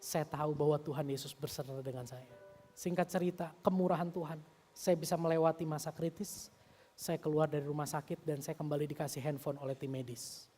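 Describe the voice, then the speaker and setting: A man in his thirties, a youth pastor, giving an earnest sermon with a personal testimony, swinging between raised emphasis and hushed confession. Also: fairly high pitch, steady tone, a little fast, soft background music. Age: 30s.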